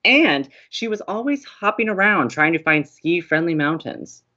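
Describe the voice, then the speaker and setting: Woman acting gushy earnest college radio cohost, lowish voice, really swoopy, kinda muffled recording. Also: animated, moderate pace, bright, forceful tone. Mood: earnest, informative. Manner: effusive, earnest. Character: upbeat, romantic young college radio co-host. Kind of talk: audio drama romantic comedy dialogue.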